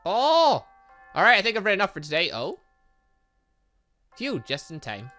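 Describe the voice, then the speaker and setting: Faint music plays behind a high-pitched man whose sharp voice swings hugely in pitch at a moderate pace. As a gaming channel host doing a let's play of a visual novel, he chats casually, reads bits of text, and thinks aloud with muttered asides.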